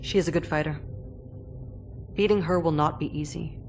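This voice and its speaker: Serious woman playing a warrior comrade, rumbling noise behind. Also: moderate pace, lightly acted. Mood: concerned. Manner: serious, gently cautioning. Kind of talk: dramatic game cutscene acting.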